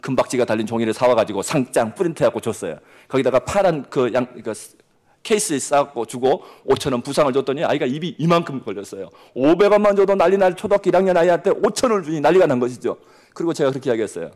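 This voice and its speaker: A man in his forties from Jeolla, preaching a sermon as pastor with lively storytelling that swings between loud and hushed. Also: mid-range voice, fast talker. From Jeolla, South Korea.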